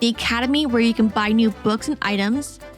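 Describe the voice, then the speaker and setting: A woman speaks over music in the background. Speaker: VTuber. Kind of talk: casual gameplay commentary. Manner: fast.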